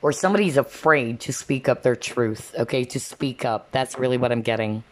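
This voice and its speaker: A tarot card reader with a mid-range voice talks casually with viewers at a moderate pace. Conversational throughout, she often checks in with a quick "okay?"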